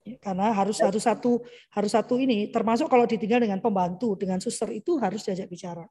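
A middle-aged woman giving a chatty parenting talk over a video call, lively and quick to mimic children's voices. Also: mid-range voice, husky. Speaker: parenting speaker. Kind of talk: conversational online parenting talk.

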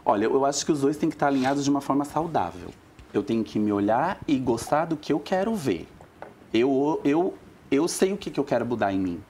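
A woman's voice: extremely low pitch, fairly quick, slight background noise. A woman, a vocal teacher talking expressively as a guest on a TV talk show. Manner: expressive and chatty, calls people "meu amor". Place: TV studio.

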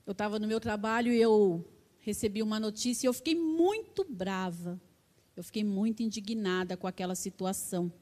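A woman's voice: medium pitch, moderate pace, darkish tone. A middle-aged woman with a Brazilian accent, preaching a sermon with fervent personal testimony, often tagging her sentences with "né". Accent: Brazilian Portuguese.

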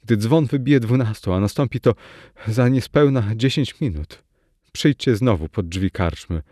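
A man voicing an earnest, secretive young village girl in a storybook reading, speaking softly. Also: mid-range voice, animated, normal speed, no echo, studio quality, close to an everyday voice. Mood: tender pleading.

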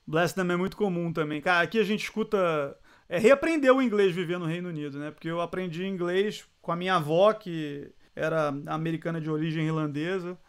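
A man, a sports journalist chatting as an interview guest. He is animated, laughs often and drops words from other languages. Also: on the high side, a little fast, smooth. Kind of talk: casual interview chat.

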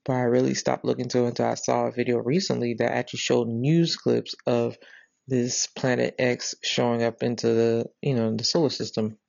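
A woman's voice: very deep voice, little pitch movement, fairly quick, gravelly, darkish tone, dry recording. A woman, hosting a podcast and retelling a dream in a rambling, earnest way with lots of fillers and restarts. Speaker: podcast host. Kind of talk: casual spoken retelling of a dream. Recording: dry, slightly dull lo-fi recording.

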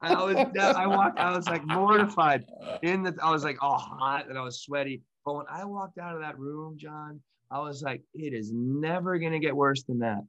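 A man's voice: on the high side, moderate pace, lo-fi sound. A man co-hosting a podcast and teaching meditation, talking casually with many restarts and frequent laughter. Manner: rambling, animated, laughs often, many restarts. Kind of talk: casual conversational podcast chat.

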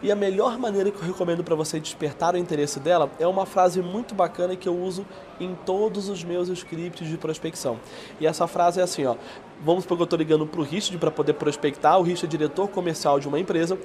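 A man coaches the viewer on sales calls, direct and full of energy. His voice sits a bit high for a man, and he switches into sample call lines to show how they should sound. A faint hum of street noise stays under him. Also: fairly even intonation, fast, darkish tone. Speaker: sales trainer. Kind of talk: video sales lesson.

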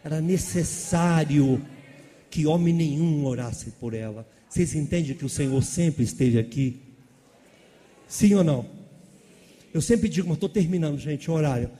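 A man's voice: on the high side, moderate pace, dark tone, big-room sound. A man preaching a sermon, calling out questions to the congregation. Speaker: pastor.

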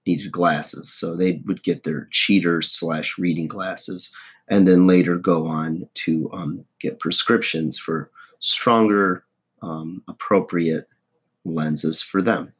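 A hoarse, husky man in his forties giving a casual, folksy motivational monologue as a host. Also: deep voice, steady tone, takes it slowly, fairly bright tone. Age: 40s. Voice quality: husky, rough. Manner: folksy, self-deprecating, checks in with "okay?" and "right?". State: hoarse voice, throat-clearing. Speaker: host of a motivational video podcast.

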